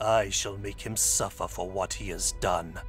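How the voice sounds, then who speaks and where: A man is talking. Loud music plays in the background. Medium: machinima. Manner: dark, theatrical, vengeful.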